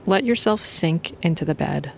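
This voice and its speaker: A woman's voice: lowish voice, expressive, moderate pace, creaky. A woman leading a guided sleep meditation in an informal, playful and soothing way.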